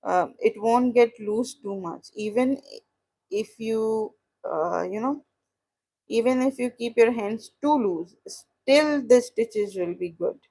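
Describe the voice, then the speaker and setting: A woman with a South Asian accent giving a casual crochet tutorial, explaining in a halting way and repeating herself as she chats to viewers. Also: a little high, mellow. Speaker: crochet instructor and live streamer.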